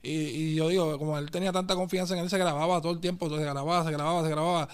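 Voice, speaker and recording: A man with a Puerto Rican accent, talking in fast, animated street slang as a guest in a casual interview. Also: fairly high pitch, smooth. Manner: fast, animated street slang, calls listener papi and brother. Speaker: guest artist.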